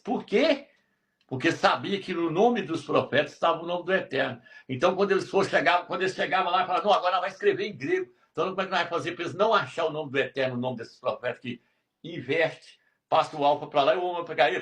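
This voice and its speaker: A man's voice: on the high side, a bit bright. A man teaching Bible lessons on a live stream, emphatic and repetitive, often checking that his listeners follow. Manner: emphatic, repetitive, keeps asking "tá vendo?". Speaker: religious teacher.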